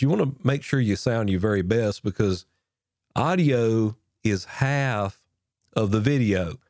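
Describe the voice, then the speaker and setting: A man with a congested, nasal voice hosts his own instructional podcast, sitting right up on a broadcast microphone. His voice is low and set in a dry, dead room. He talks in an earnest, encouraging way, with plenty of casual fillers. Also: darkish tone, no room sound. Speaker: pastor and podcast host. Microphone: dynamic broadcast mic, close.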